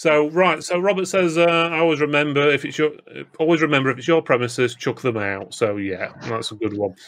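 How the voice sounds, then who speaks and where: A man with an unremarkable speaking voice has a fairly high pitch. He speaks at a fairly quick pace. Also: lively intonation. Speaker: tech business podcast host. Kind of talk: live-streamed panel chat.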